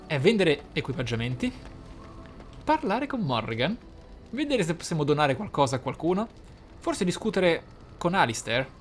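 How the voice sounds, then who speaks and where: A man giving casual, excitable playthrough commentary, often thinking aloud. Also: medium pitch. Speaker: gaming channel host. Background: game music.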